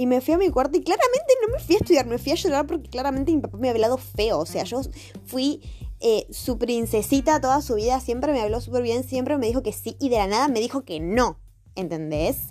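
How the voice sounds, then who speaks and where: Music sits in the background as a woman talks at a fairly quick pace in a Rioplatense accent. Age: 20s. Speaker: podcaster. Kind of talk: personal storytelling monologue.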